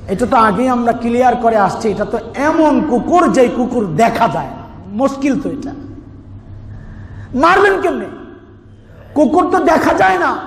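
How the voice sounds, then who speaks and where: A Bangladeshi man preaching an Islamic sermon, explaining scripture in an emphatic, conversational way with rhetorical questions. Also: extremely high pitch. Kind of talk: sermon explaining scripture with recitation and everyday analogies. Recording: echoey reverberant hall with background noise.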